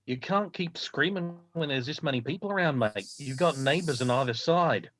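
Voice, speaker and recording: A man's voice: on the high side, animated, normal speed, fairly bright tone. A man playing a laid-back, blunt policeman in a comedy table read, casual and blokey, on muffled audio. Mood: matey. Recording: dull, muffled online call audio.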